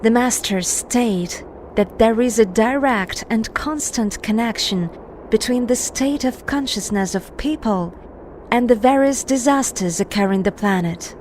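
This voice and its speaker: A woman reading a scripted spiritual voice-over in a measured, deliberate way, phrase by phrase with pauses. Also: a little high, darkish tone, a little hiss or hum, rough recording. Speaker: narrator reading an article. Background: music.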